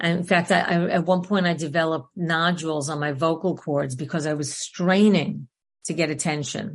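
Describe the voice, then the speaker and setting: A woman with an American accent and an unremarkable speaking voice, fairly low in pitch, with fairly even intonation at a moderate pace over a quiet background. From New York City, Queens. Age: 60s. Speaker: recovery meeting speaker. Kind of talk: testimony. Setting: video call meeting with live Q and A.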